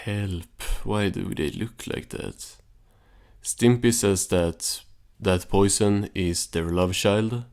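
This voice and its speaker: A man giving casual, informal recap commentary on a cartoon in a deadpan manner. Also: low-pitched, takes it slowly, creaky.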